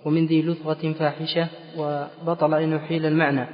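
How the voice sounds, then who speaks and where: A man reading a classical text aloud for the teacher in flat, steady recitation. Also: on the high side, fairly quick. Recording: distant voice in a reverberant hall, dull lo-fi.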